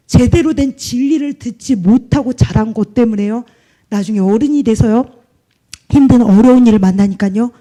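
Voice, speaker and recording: A woman's voice: on the high side, mellow. A young woman preacher giving an earnest, emphatic sermon testimony in casual storytelling.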